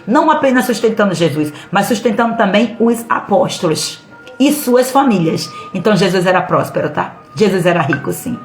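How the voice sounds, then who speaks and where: A middle-aged woman pastor with a Brazilian Portuguese accent preaching an expressive livestream sermon, acting out the voices she quotes. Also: medium pitch, moderate pace. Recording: roomy sound with faint music.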